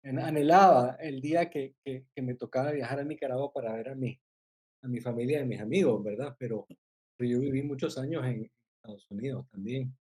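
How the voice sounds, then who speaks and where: A man's voice: mid-range voice, fairly quick, darkish tone, slightly rough. A man in his forties, born in Costa Rica, talking as a guest on a podcast, hesitant with many fillers. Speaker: guest, journalist and filmmaker. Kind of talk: casual interview.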